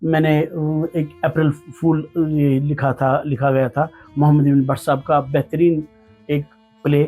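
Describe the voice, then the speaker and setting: Over music in the background, a man with a fairly high pitch speaks in a monotone, flat intonation at very even loudness. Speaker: theatre actor. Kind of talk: interview.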